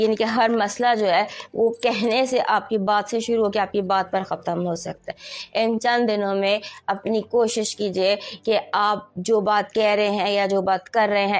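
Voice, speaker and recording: A woman with a Pakistani Urdu accent talks through a weekly horoscope as an astrologer. Her voice sits in a middle pitch, and she speaks conversationally, mixing English phrases into her speech and pausing often to hesitate.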